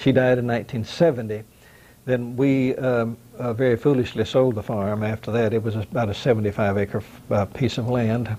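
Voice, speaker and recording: In a Southern US accent, a man speaks at a fairly quick pace with a medium pitch and fairly even intonation. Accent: Southern US (Georgia). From US South, north Georgia (Murray County). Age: 70s. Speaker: war veteran. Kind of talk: oral history interview. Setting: library building. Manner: halting, many false starts.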